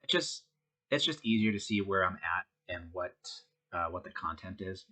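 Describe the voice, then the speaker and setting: A man with a congested voice from a head cold, talking through a web coding tutorial in a relaxed way with many fillers. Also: sits low, normal speed. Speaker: web design instructor. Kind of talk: screen-recorded coding tutorial.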